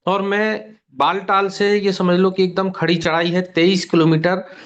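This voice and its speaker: A man in his fifties from near Gwalior, giving a steady, detailed personal testimony on a video call. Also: high-pitched, unhurried. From India, near Gwalior. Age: 50s. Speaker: testimonial guest. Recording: muffled online call audio.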